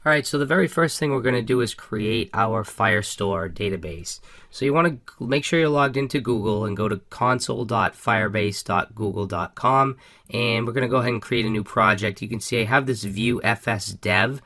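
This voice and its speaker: A man hosting a casual coding tutorial, walking through each step in a relaxed, upbeat way with a few ums and restarts. His voice is still a little raspy from an illness. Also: medium pitch, brisk. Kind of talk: screen-recorded coding walkthrough.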